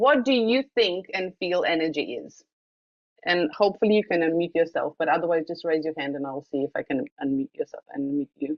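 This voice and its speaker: This woman has a fairly low voice and a Slovenian accent. She talks at a fairly quick pace with lively intonation. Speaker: wellness coach. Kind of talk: online training session.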